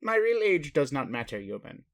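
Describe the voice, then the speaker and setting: A man playing an ancient alien father in a roleplay audio, speaking formally with pauses to his adopted human, fond and bemused. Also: on the high side, big pitch swings, gravelly. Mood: dry, teasing. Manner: slow, formal phrasing with pauses, addresses listener as human. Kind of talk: roleplay audio addressed to the listener.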